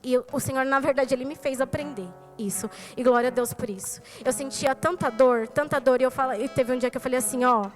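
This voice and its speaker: A woman's voice: high voice, fairly quick, hardly any pauses, faint music behind. A woman with a Brazilian Portuguese accent giving a testimony in a church sermon, telling her story and speaking straight to the congregation. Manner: storytelling, addresses the congregation directly. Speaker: preacher. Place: church service.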